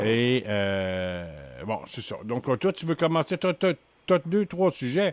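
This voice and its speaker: Very wide pitch swings mark a man's very slow speech, captured with a dry, close sound and no echo. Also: medium pitch for a man. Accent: Quebec. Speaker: radio host. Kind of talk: radio talk show. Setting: studio. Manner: halting.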